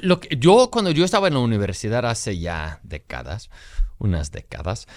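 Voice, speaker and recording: A middle-aged man co-hosts a chatty advice podcast, his pitch swinging widely as he speaks. He gropes for his questions with fillers and restarts, and the sound is dry and close. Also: big pitch swings, normal speed, dry recording. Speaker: podcast co-host. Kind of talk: casual advice chat.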